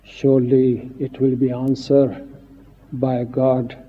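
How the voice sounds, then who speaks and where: Very slow, solemn man in a reverberant hall. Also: medium pitch, completely flat delivery. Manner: solemn, halting, short phrases with long pauses. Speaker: Sufi spiritual teacher giving an address. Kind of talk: devotional speech. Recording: muffled 1950s archive recording, reverberant hall, phone-like.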